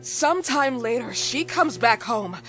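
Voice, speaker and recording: A woman's voice: a little high, animated, a little slow, sharp tone. An actress playing a determined woman investigator in a horror game, pressing and confrontational as she questions a suspect. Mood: probing, insistent. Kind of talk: dramatic horror game acting. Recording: music under the voice.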